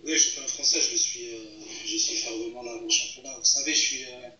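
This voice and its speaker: A man's voice: medium pitch, fairly even intonation, fast talker, sharp tone. A man in his thirties from France, a footballer answering interview questions, hesitant and repeating words as he searches for them. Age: 30s. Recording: roomy, distant, dull lo-fi sound.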